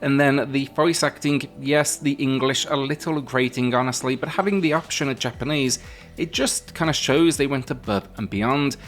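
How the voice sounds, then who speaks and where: A man presenting a video game review in a conversational but scripted narration, speaking in measured phrases with emphatic openings to his sentences. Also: medium pitch, a bit bright. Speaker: game reviewer, channel host. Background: music.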